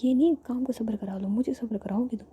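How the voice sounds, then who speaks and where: A woman's voice: a little high, fast, breathy edge, phone-quality sound. A woman whispering the lines of a playful, impatient young woman teasing her partner.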